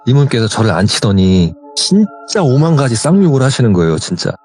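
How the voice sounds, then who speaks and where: A man's voice: mid-range voice, a little fast, soft background music. A young man telling a true story in a phone interview, acting out the dialogue as he goes. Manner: animated retelling, quoting others in dialogue.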